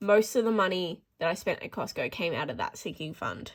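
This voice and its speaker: Speaking at a moderate pace, a woman talks in an Australian accent. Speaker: budgeting vlogger. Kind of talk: casual budgeting tutorial.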